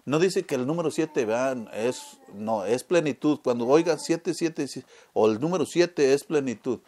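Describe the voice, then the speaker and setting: A man's voice: mid-range voice, animated, moderate pace, a little mellow. A man preaching a Catholic sermon, who keeps asking his listeners questions and answers them himself. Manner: keeps asking the audience "¿verdad?".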